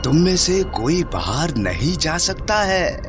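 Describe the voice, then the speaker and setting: An actor voicing a menacing werewolf villain who commands a pack, growling and drawing out words in a horror audio drama. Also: male voice, a little high, very animated. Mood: gloating. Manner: menacing, slow and drawn out, bursting into shouts. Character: raging male werewolf villain commanding a wolf army. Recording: music bed under the voice.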